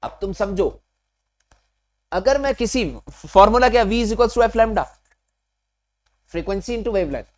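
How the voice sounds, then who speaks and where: A man teaching physics to a class, explaining step by step and often stopping to ask the students questions. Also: high-pitched. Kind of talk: classroom lecture.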